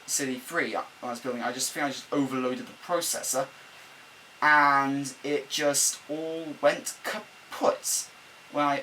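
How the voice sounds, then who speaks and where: A let's-play builder records off-the-cuff game commentary at a desk at home, his talk rambling, chatty and full of self-corrections. His mid-range voice has a sharp tone and comes through a fuzzy old camcorder microphone rather than a desk mic, adding a faint hum. The audio is poor, and a laptop fan hums faintly behind him.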